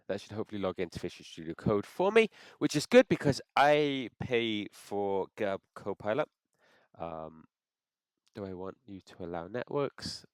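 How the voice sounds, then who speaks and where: A man with a cold, sounding congested, talking through a software install step by step and thinking aloud as he clicks. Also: on the low side, dry recording. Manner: thinks aloud with frequent restarts. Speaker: software tutorial presenter. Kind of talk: screen-recorded how-to walkthrough.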